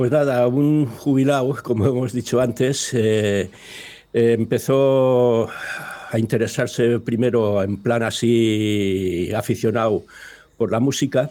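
Speaking at a very slow pace with a dark, mellow tone, this voice keeps its loudness very even and its intonation fairly even. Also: man, medium pitch for a man. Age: old. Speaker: retired Linux and audio enthusiast, YouTuber. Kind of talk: casual interview chat.

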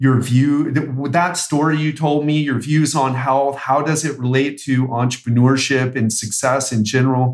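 A man with an unremarkable speaking voice, fairly high in pitch, at a moderate pace with fairly even intonation. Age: 40s. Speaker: podcast host, health coach. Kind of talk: promo; interview.

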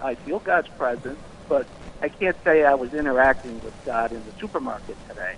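Noticeable background noise runs behind a man speaking at a fairly quick pace with a fairly high pitch. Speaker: therapist and author. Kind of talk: radio interview.

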